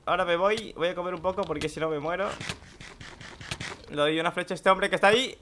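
A young man giving live gameplay commentary, excitable, swearing and bursting into shouts. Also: high voice, fast, a little hiss or hum. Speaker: gaming YouTuber.

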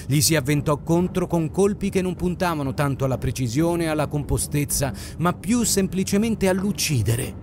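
A man reading an audiobook in a dramatic, expressive way. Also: fairly high pitch, normal speed, hardly any pauses, noisy background. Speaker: audiobook narrator. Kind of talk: scripted narration. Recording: narration over loud music.

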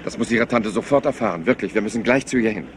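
An actor playing a rumpled, seemingly scatterbrained police inspector in a German crime radio play, rambling and deceptively polite. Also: male voice, fairly low pitch, fast talker, close to an everyday voice. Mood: brisk, pleased. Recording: noisy retro radio play.

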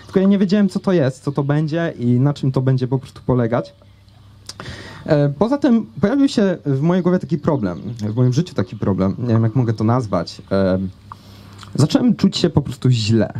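A man's voice: mid-range voice, big pitch swings, moderate pace, warm tone. A young man telling a personal story on an outdoor festival stage into a handheld mic, chatty and full of hesitations. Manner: conversational with many fillers and hesitations. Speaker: speaker giving a talk. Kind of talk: personal story told to an audience. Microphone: handheld microphone.

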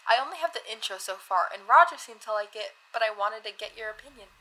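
A woman's voice: fairly high pitch, animated, fast talker, pushed and bright, poor audio. A young woman playing an eager, nervous cub reporter in an audio drama, chatty, hesitant and self-conscious.

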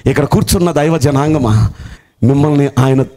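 A man's voice: mid-range voice, moderate pace, warm tone. A man preaching an Easter sermon to a seated congregation in church. He asks rhetorical questions and swings his voice dramatically as he quotes scripture figures. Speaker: pastor.

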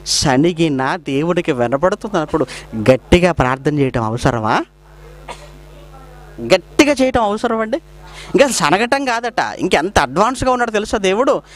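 Animated high-voiced male preacher. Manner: animated, rhetorical questions, slows to quote scripture. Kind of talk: sermon.

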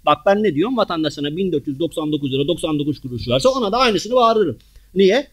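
Male preacher, mosque sermon, husky voice, very lively intonation, rhetorical questions to the congregation. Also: fairly high pitch, fast. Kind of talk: Friday mosque sermon talk.

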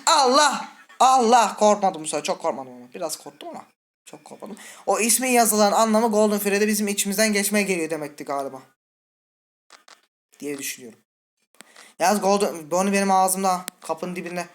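Brief: male let's-play host, nervous and twitchy, swings from high yelps to low mutters, curses at the game, keeps asking the viewers things. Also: lively intonation, brisk. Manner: jittery, scared, muttering and cursing at the game; talks directly to viewers. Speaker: gaming channel host.

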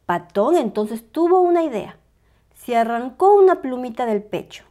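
A woman reading a picture book aloud as a storyteller, with expressive, dramatized narration for small children. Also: high-pitched, normal speed.

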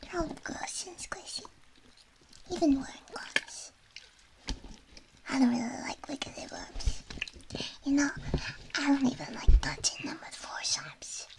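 A woman in a whispered role-play as a quirky, soothing, slightly shady surgeon, talking gently and playfully as if giving personal attention. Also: high voice, big pitch swings, unhurried, vocal fry, pauses often. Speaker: ASMR performer playing a doctor.

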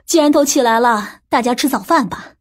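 A woman acts out a fretful, excitable family woman in an audiobook drama. Her voice is high, with a breathy, husky edge. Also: brisk, close to an everyday voice. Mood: fretful, complaining. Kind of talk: audiobook character dialogue.

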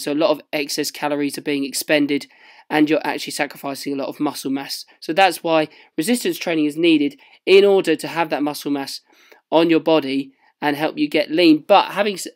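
A young Englishman with a husky, hoarse voice that sits fairly high. He explains training in an earnest, self-deprecating way, like a casual home vlog recorded on a camera at arm's length. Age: young adult. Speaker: fitness vlogger. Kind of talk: casual vlog chat and voice-over. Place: home, small room.

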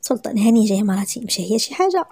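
Moroccan woman reading a chill playful husband in her story, fast. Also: fairly high pitch, big pitch swings, a little mellow, husky, no echo, clean studio sound, full character voice. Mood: teasing. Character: affectionate, teasing young husband. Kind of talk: storytelling with acted dialogue.

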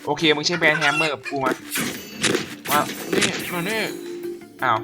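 Excitable man cursing through a game. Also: a little high, moderate pace. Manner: excitable, profane, keeps shouting "come here" at enemies. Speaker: gaming YouTuber. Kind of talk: casual gameplay commentary. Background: game music.

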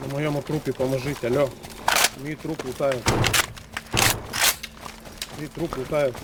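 A man's voice: medium pitch, level tone, measured pace, very noisy. A man on gaming voice chat, giving short, clipped callouts. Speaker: gamer.

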